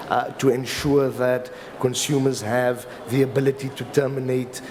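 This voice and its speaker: Against noticeable background noise, a man with a South African accent speaks slowly-ish at a fairly slow pace in a medium pitch and a monotone, flat intonation. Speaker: legal expert, panelist. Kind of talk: panel talk. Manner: hesitant, many fillers and repeats.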